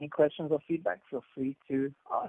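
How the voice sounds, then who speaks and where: A man with a slight South African accent, fairly high pitch and fairly even intonation. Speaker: analytics consultant and company founder. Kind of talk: webinar presentation. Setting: online webinar. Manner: casual, with frequent fillers and repetitions.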